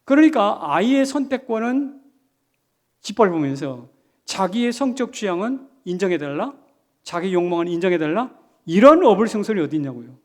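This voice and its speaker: High-voiced man preaching emphatically. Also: sing-song, moderate pace. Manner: emphatic, asks the congregation questions. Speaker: senior pastor. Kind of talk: sermon. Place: church sanctuary.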